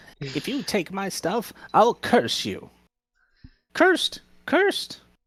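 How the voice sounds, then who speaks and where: Putting on a character voice, a man speaks with a high pitch at a fairly slow pace. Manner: menacing, cursing, repetitive.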